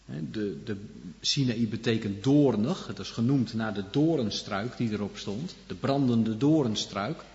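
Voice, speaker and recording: A man's voice: mid-range voice, a little slow, darkish tone. A man preaching a sermon, walking his listeners through Bible verses and tossing in frequent little asides to check they follow. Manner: explains scripture, leans on frequent "hè" asides. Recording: long hall reverb, dull lo-fi sound.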